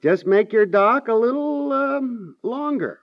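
An actor in a 1950s radio comedy playing a measured property adviser who delivers bad news with deliberate, hesitant understatement. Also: male voice, very high voice, expressive, no echo, full character voice. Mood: apologetic understatement. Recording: dull 1950s radio recording.

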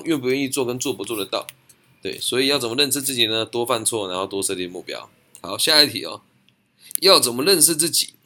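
A man's voice: medium pitch, sharp tone. A young man with a Taiwanese Mandarin accent, answering audience questions in a blunt, slangy, chatty way. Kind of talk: casual Q&A monologue.

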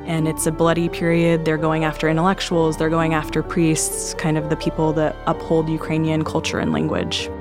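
Interview guest, a woman from California; plainspoken, explanatory, slightly low voice. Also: normal speed, hardly any pauses, music in the background. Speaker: journalist guest. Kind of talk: conversational interview.

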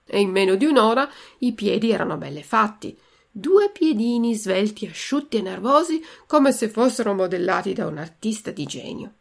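A woman teacher reading a story aloud and then going through vocabulary words slowly and carefully. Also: medium pitch, expressive, vocal fry. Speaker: language teacher.

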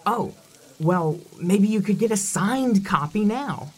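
An actress playing an eager, starstruck young bookish fan in an audio drama, earnest and chatty, with sizzling behind. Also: female voice, mid-range voice, expressive, slow, slightly rough. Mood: hopeful, excited. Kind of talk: naturalistic audio drama acting.

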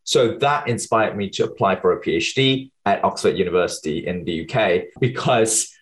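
Male scientist guest from Malaysia, thirties, lowish voice, rapid explanatory bursts. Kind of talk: interview answers.

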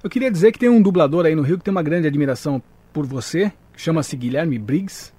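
A man's voice: on the high side, lively intonation, a little fast, dark tone, husky, dry recording. A man hosting a live radio interview in a polite, admiring manner.

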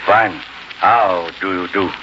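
A man's voice: deep voice, steady tone, slow pace, bright, forceful tone, dull audio, heavily acted. A man playing a friendly, blunt Native American scout who speaks in short broken English phrases, in 1940s radio drama style. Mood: stolid, friendly. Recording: noisy band-limited 1940s radio recording.

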